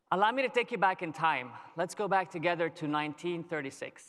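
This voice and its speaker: A man from Lebanon giving a conference keynote, telling a story in a measured way with dramatic pauses. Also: a little high, bright, forceful tone. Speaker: keynote speaker. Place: large conference hall. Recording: long reverb of a large hall.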